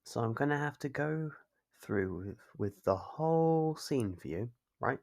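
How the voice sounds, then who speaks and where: A performer voicing a possessive, obsessive captor in an ASMR roleplay, mockingly doting and scolding, with coaxing questions and a husky, creaky voice. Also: mid-range voice, animated, a little mellow. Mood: doting, smug. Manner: coaxing, chiding, drawn-out teasing questions. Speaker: voice actor.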